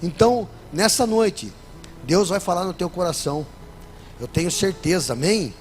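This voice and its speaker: High-voiced Brazilian man preaching. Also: lively intonation, moderate pace, slight background noise. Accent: Brazilian Portuguese. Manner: fervent preaching, often asking the congregation "amém?". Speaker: pastor. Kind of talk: sermon. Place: church service.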